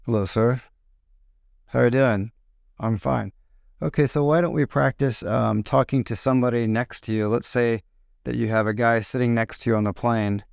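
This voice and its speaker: Gravelly, smooth teacher. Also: male voice, medium pitch, no echo, clean studio sound. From California. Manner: relaxed, explains slowly with fillers and examples. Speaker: English teacher and podcast host. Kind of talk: casual spoken English lesson.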